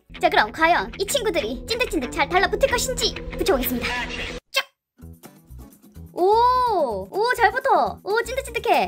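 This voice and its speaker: With music in the background, a woman with an extremely high pitch speaks at a fairly slow pace in a playful, upbeat tone, her pitch swinging very widely between long, frequent pauses. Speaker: slime and craft YouTuber. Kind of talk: casual DIY craft tutorial talk.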